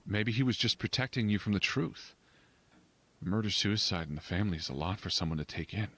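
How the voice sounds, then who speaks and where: An actor playing a calm, skeptical male friend who speaks in a reassuring way. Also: lowish voice, a little fast, no echo. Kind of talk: audio drama dialogue.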